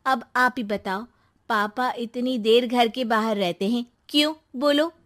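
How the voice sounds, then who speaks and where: A woman's voice: fairly high pitch, unhurried, fairly bright tone. A woman voicing a scheming young daughter in a cartoon who wheedles and manipulates her mother. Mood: wheedling. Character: scheming young woman plotting to seize family home.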